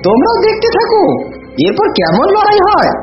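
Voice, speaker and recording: A woman's voice: very high voice, wildly swooping pitch, fairly quick, heavily acted. A woman voicing a sly, scheming male fox in a children's cartoon, theatrical, wheedling and boastful. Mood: gloating, scheming. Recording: dull, echoey audio with music.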